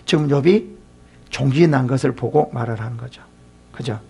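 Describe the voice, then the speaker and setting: Very husky, gravelly male pastor. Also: mid-range voice, normal speed, mellow. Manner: asks the congregation questions, drops to whispered asides. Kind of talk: sermon at a prophecy seminar.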